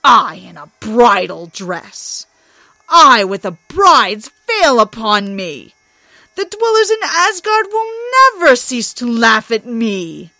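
Proud angry thunder god woman putting him on, outraged and loud, drags his words. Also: on the high side, dry recording, faint music behind. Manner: indignant, outraged, slow and loud. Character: proud, hot-tempered male thunder god.

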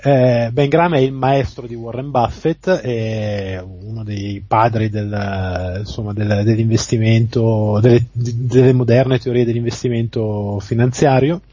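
Male co-host calling in over a phone line; dark, husky voice, dry and muffled. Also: mid-range voice, steady tone, dry recording. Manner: measured, explanatory, with small restarts. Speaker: podcast co-host. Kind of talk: casual chat recommending a book.

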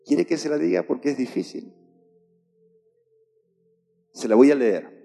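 An older man, preaching a sermon as a pastor, emphatic, repeating declarations and stretching key phrases slowly. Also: fairly high pitch, lively intonation, gravelly, mellow, husky, big-room sound, soft background music.

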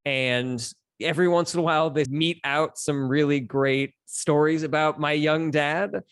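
A Los Angeles comedian in his forties with an American accent chats casually as a podcast guest, recounting personal stories candidly and articulately. His fairly high voice is clear and resonant, steady and measured, captured in a dry, clean studio recording.

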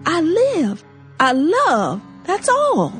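A woman's voice: very high-pitched, huge pitch swings, very slow, a bit bright, faint music behind, pitched above the performer's own voice, full character voice. A woman reader voicing a passionate, grieving young woman who swings between bitter defiance and pleading. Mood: despairing.

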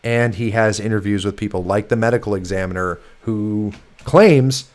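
A man's voice: lowish voice, moderate pace, darkish tone. Sarcastic man hosting a talk show. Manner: sarcastic, mocking, swears freely. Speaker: podcast host. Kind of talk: casual political talk.

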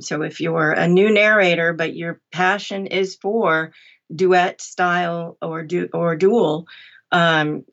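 A woman's voice: fairly low pitch, highs cut off. A woman speaking as a podcast guest, offering practical advice in an informal conversation. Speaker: podcast guest, audiobook narrator. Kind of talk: interview conversation, giving advice.

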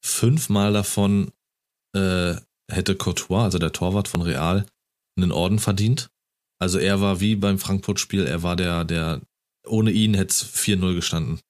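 A man with a very low, deep voice chats casually about football. He retells the game with enthusiasm and grows animated at the highlights. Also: unhurried. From Germany.

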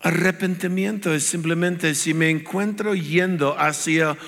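A man's voice: on the high side, steady tone, measured pace, fairly bright tone. An older man preaching a sermon as pastor, emphatic and repetitive, in a large church hall. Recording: long hall reverb with faint music.

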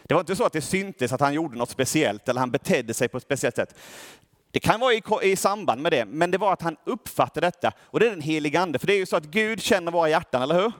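A man delivering a Bible teaching sermon as a preacher. He explains the verses patiently and keeps checking in with his listeners. His voice sits somewhat high for a man. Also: lively intonation, no echo, clean studio sound. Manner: explanatory, asks the listeners for agreement.

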